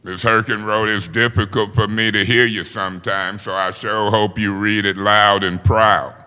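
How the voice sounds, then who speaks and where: A man's voice: lowish voice, little pitch movement, normal speed, sharp tone, clear, resonant tone, long reverb tail. A man chairing a city council meeting as its president, speaking in an informal, folksy way in council chambers. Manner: informal, folksy speech with plain talk.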